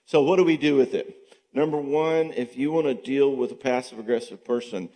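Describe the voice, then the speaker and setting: An older man, a psychologist, giving an animated conference talk in a church, asking rhetorical questions and acting out quoted voices. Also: mid-range voice, brisk. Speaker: psychologist speaking at a marriage conference. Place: church sanctuary. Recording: long church hall reverb.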